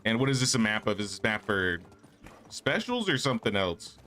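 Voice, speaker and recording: A man's voice: lowish voice, sing-song, moderate pace, bright, forceful tone. Chatty man streaming a game. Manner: chatty, reads chat and answers viewers. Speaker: gaming streamer. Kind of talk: casual live-stream chat while playing.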